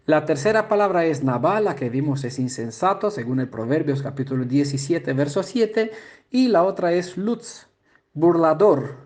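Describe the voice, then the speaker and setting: A man who speaks Spanish as a second language, explaining word meanings as a Bible teacher, pausing often with fillers and checking in with the listener. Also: a little high, animated, a little mellow. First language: not Spanish. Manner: halting, many filler "eh" sounds and restarts, asks "¿no?" and "¿vale?".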